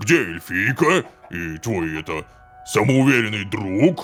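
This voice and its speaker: A man puts on a character voice, fairly low in pitch with very wide pitch swings. He speaks at a fairly slow pace while clear music plays in the background. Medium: machinima.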